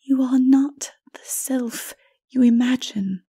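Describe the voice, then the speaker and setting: In a dark fantasy audiobook, a woman voices a sorrowful, righteous holy woman, breathy and often close to a whisper, solemn and pleading. Her high voice moves slowly and is heavily acted, carrying a mood of sorrowful warning.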